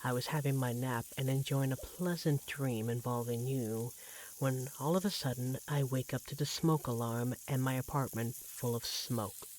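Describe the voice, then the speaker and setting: A man playing an affectionate, devoted vampire partner in a roleplay audio drama, speaking in a tender, gently teasing, conversational way. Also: medium pitch, steady tone, moderate pace, lightly acted, rough recording. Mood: teasing, amused. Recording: clearly audible background noise, sizzling kitchen effects.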